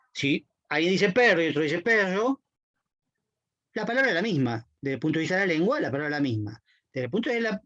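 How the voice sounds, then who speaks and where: A man's voice: a little high, dry recording. A man giving a university semiotics lecture, explaining patiently and often checking in with his students. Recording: dull dry lo-fi recording.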